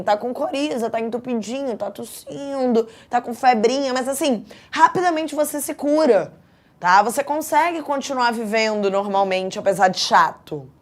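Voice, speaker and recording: Chatty Brazilian woman teaching. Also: fairly high pitch. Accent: Brazilian Portuguese. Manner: chatty, lively teaching with frequent "tá?" check-ins. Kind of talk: exam prep lecture.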